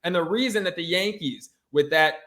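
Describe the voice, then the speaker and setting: A man's voice: sits high, normal speed, bright, forceful tone. Brash, emphatic male podcast co-host. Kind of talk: casual sports podcast chat.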